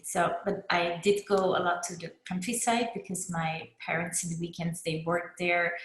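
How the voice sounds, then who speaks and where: A middle-aged woman from Belgium, answering interview questions in a slow, reflective way. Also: lowish voice, a bit bright. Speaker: guest. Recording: echoey room.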